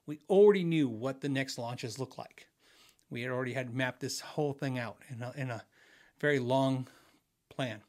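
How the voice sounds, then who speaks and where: A man's voice: mid-range voice, moderate pace, a little mellow. A middle-aged man hosting a casual livestream from his home office, rambling and restarting as he reads out viewer messages. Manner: rambling, restarts often, many fillers. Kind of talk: casual chat.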